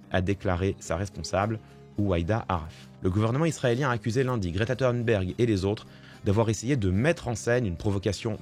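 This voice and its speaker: Homme à la voix très grave, indigné. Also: male voice, fairly low pitch, darkish tone. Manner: indignant, reads aloud then comments with fillers. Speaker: political commentator. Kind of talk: live-stream commentary reading news reports.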